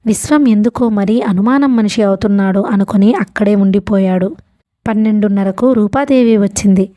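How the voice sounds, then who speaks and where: A woman's voice: normal speed, mellow. A woman reading a novel aloud as an audiobook narrator, lifting her voice slightly for the characters' dialogue. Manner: reads all characters with small pitch lifts for dialogue.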